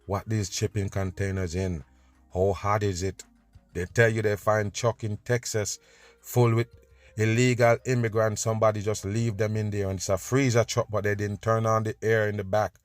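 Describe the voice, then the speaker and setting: A man's voice: fairly low pitch, flat delivery, normal speed, dry recording, faint music behind. A male host reacting to video clips with emphatic, scornful commentary, urging listeners to pay attention.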